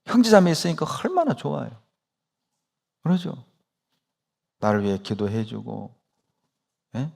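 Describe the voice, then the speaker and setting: A man's voice: mid-range voice, sing-song, measured pace, vocal fry, pauses often, a little mellow. A male pastor preaching a sermon, speaking emphatically and asking his congregation rhetorical questions.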